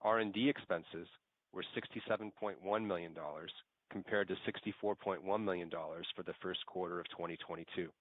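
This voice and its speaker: A man working as a finance executive reads a scripted earnings presentation in a formal, measured manner. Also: low-pitched, fairly even intonation, no room sound. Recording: tinny phone-line audio, very dry.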